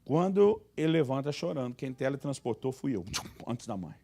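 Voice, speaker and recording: A man's voice: medium pitch, moderate pace, gravelly. A male pastor preaching a humorous sermon, telling anecdotes and acting out the voices in them. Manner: animated, acts out voices in anecdotes.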